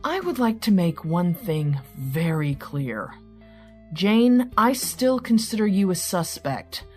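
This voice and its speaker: An actress playing a formal, suspicious woman in authority in an audio drama, firm and deliberate. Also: fairly low pitch, sing-song, soft background music. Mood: stern.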